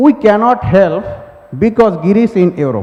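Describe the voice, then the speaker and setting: A man with a Bengali accent talks at a fairly slow pace with very wide pitch swings, against noticeable background noise. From Bangladesh. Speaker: audience member, NGO founder. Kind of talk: audience question at conference. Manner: halting, broken English.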